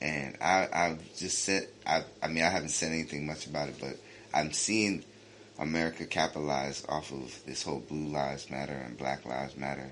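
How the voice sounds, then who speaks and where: His intonation is fairly even. The man's pitch is very deep and low. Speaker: podcast guest. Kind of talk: casual podcast conversation. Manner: fast, rushed; halting, stumbling over words.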